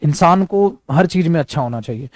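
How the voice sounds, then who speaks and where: A man from India teaching a spoken English class, lively and emphatic, switching freely between Hindi and English and slowing right down to spell out his example sentences. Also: fairly high pitch, no echo. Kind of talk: classroom lesson, explaining at a board.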